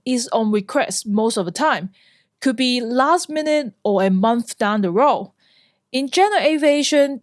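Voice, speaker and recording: Woman from hong kong, flight instructor, earnest and excited, kinda high voice, dry. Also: dry recording. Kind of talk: scripted vlog narration.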